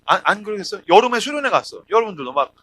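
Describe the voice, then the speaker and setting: A man in his thirties preaching a lively sermon at a youth retreat, acting out the voices of people in the stories and joking with the young crowd. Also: high-pitched, very fast. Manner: animated, acts out quoted voices, jokes with the crowd. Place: retreat prayer hall.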